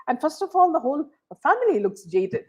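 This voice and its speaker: A woman's voice: high voice, sing-song, fairly quick, mellow, muffled recording. Woman hosting a chatty commentary. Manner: many fillers and "you know"s. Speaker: host. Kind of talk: casual commentary chat.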